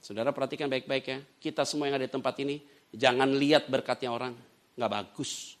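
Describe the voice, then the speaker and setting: A man's voice: mid-range voice, fast talker. A man preaching a sermon, telling stories and acting out the voices of the people in them. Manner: lively storytelling preacher who acts out dialogue. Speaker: pastor. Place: church.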